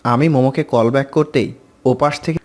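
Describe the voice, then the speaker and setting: A man's voice: mid-range voice, normal speed. A man narrating a playful romantic story aloud.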